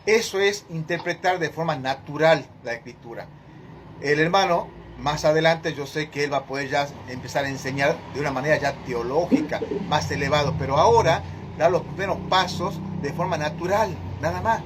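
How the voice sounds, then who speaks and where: A man's voice: a little high, normal speed, a little hiss or hum. A man leading a Bible study, teaching emphatically and questioning his listeners directly.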